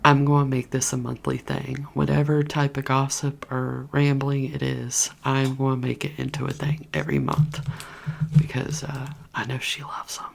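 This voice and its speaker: A woman's voice: rumbling low, flat delivery, moderate pace. A woman whispering in a rambling, chatty way, talking straight to her viewers for an ASMR video. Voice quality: breathy whisper. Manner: rambling, chatty, addresses viewers as "you guys". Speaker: ASMR creator. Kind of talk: whispered ASMR gossip chat. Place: indoors at home, heater running.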